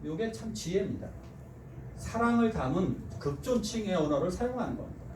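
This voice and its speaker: Animated pastor, echoey church hall. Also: male voice, sits high, a little fast. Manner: animated, acts out quoted speech, laughs often. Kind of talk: sermon. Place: church sanctuary. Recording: echoey church hall from far off, faint noise.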